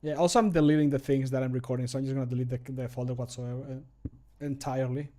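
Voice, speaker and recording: A man's voice: medium pitch, steady tone, fast talker, dark tone. Guy streamer in his 30s chatting casually, joking around, hard on himself. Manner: joking, self-critical. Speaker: streamer and game modder. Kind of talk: casual livestream chat. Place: small indoor home room.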